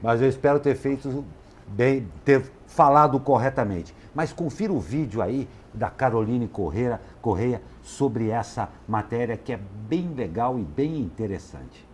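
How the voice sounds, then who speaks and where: A male news anchor with a mid-range voice who reads headlines and then slips into relaxed, chatty asides. Faint background noise sits under his speech. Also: mid-range voice, a little slow. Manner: chatty, informal asides to viewers. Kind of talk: casual news presenting.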